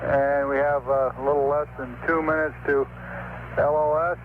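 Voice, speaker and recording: A man's voice: fairly high pitch, flat delivery, moderate pace. An American man working as a mission control radio communicator, speaking in clipped, matter-of-fact military procedure over a crackly two-way radio. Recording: noisy, narrow-band archival space radio link.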